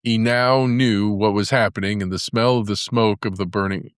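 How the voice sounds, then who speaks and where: A man narrating a fairy tale as a storybook, in a measured storytelling manner. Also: lowish voice, fairly even intonation, smooth, dry recording, clean studio sound. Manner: measured storytelling with character voices for dialogue.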